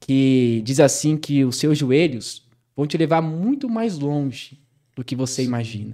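Lively intonation from a man, set against a quiet background. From Bahia, Brazil. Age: 20s. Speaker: seminarian and evangelical YouTuber; podcast guest. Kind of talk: podcast interview, testimony. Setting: studio. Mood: earnest religious testimony. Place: studio. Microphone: studio mic.

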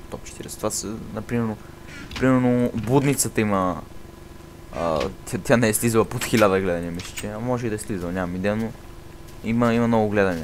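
Noticeable background noise runs behind a man whose fairly low voice breaks into long, frequent pauses. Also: ordinary pitch variation, fairly quick pace. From Bulgaria, Sofia. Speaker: gaming YouTuber. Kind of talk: gameplay commentary monologue. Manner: halting, repeats words.

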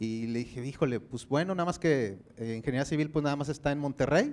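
This man speaks fairly quickly with a fairly high pitch and a dark, mellow tone. His pitch variation is ordinary. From Mexico City (Iztapalapa); Mexico City. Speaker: architect; speaker. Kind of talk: talk presentation. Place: hall. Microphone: handheld.

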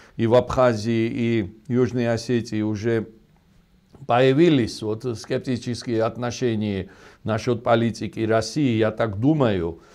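Speaking with a Georgian accent in a dark, mellow tone, a man talks at a fairly slow pace with ordinary pitch variation against a quiet background. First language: Georgian (speaking Russian). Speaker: host. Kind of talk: discussion. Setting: video call. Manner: halting. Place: studio. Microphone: lapel.

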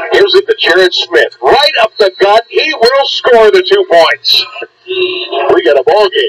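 A man speaks at a fairly slow pace. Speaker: radio play-by-play announcer. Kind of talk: commentary.

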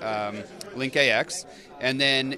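Ordinary pitch variation, a dry sound with no echo, and light background noise. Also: man. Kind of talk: interview answer. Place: hall. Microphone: handheld.

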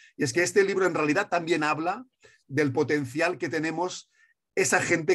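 In a quiet setting, a man talks with a fairly high voice. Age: 50s. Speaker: author and management consultant; interviewee. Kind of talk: interview. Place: home room. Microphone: video call.

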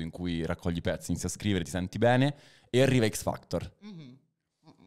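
Here a man talks at a very fast pace. His pitch is very deep and low, with ordinary variation. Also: very clean recording, silent background. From Marche, central Italy. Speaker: radio host. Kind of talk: casual interview chat. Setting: studio.

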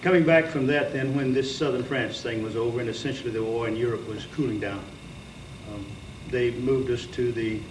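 Behind this man there is noticeable background noise. He talks at a moderate pace with ordinary pitch variation. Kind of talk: interview answer. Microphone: camera far.

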